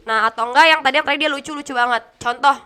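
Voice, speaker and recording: A woman's voice: high voice, quick pace, sharp tone. A young woman, a gaming caster chatting bluntly as a podcast guest. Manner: chatty, blunt, laughs often. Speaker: guest, esports caster and streamer. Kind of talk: casual podcast interview.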